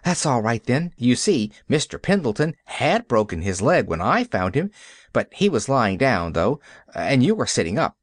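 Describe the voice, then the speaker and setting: A man's voice: medium pitch, very animated, normal speed, no room sound, studio quality. A man voicing an eager, chatty little girl who talks earnestly and hopefully.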